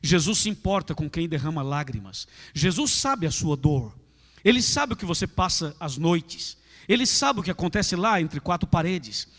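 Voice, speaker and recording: High-voiced Brazilian pastor preaching. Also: male voice, lively intonation, normal speed, a bit bright. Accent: Brazilian Portuguese. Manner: emphatic, repetitive preaching, addresses listeners directly. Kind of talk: sermon. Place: large church with a gallery. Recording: echoey church hall.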